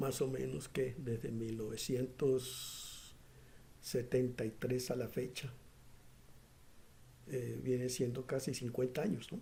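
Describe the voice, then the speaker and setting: The voice has a dark, mellow tone, vocal fry and ordinary pitch variation. It moves at a very slow pace with long, frequent pauses. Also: man. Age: 60s. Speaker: religious teacher. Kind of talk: personal testimony. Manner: halting, many fillers.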